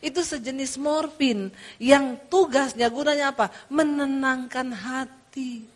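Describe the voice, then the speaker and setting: A woman voicing a calm male doctor who explains things slowly and patiently. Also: high-pitched. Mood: explaining. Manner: slow, measured, reassuring.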